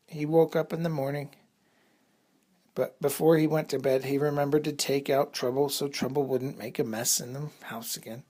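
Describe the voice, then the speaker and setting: A man makes up a bedtime story for children, speaking in an unhurried, halting way. His mid-range voice is slightly husky and breathy.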